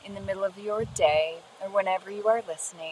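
A woman's voice with fairly even intonation, a dry sound with no echo, and light background noise. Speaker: meditation guide. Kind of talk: guided meditation. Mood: calm, soothing, warm. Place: waterside. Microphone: phone near.

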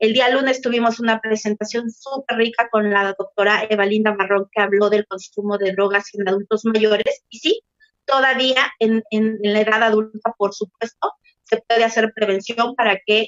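Her intonation is monotone and flat, with a fairly high pitch at a moderate pace. The woman is heard over a quiet background with a dry sound and no echo. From Mexico. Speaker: public health official presenting standards; public presenter. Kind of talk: formal presentation and moderation. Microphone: webcam.

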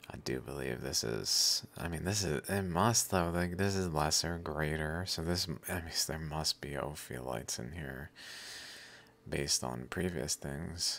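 A man speaks at a fairly slow pace in a very deep, low voice with vocal fry and ordinary pitch variation. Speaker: video commentator. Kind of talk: casual commentary. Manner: rambling, profane. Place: home room.

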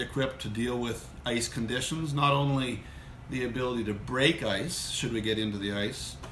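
A man at a fairly quick pace, fairly even intonation, audible room echo and light background noise. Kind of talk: guided tour explanation. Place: boat. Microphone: phone near.

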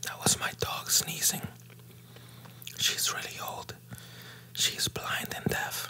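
Whispering at a fairly slow pace fills this clip. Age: 20s. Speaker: ASMR creator. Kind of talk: casual talk to camera. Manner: whispered. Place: home room. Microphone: studio mic.

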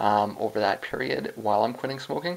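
With an ordinary speaking voice, a man talks at a fairly quick pace and a fairly low pitch. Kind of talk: casual vlog chat. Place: home room. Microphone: phone near.

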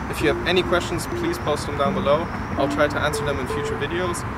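A man is speaking with music in the background. The sound is dry with no echo. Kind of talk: casual walkaround vlog. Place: street.

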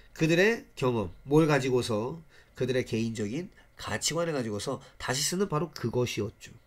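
With an animated tone and lively intonation, a man at medium pitch talks at a moderate pace. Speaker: English teacher. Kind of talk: lecture.

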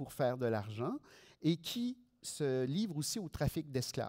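A man's dark, mellow voice at a fairly high pitch, with very wide pitch swings and a moderate pace, against a quiet background. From Quebec. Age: 50s. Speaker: historian and teacher; guest. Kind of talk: interview. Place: stage. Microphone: headset.

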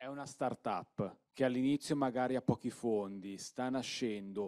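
The man speaks at a fairly slow pace, and the background stays quiet. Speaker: training participant. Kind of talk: audience question. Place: classroom.

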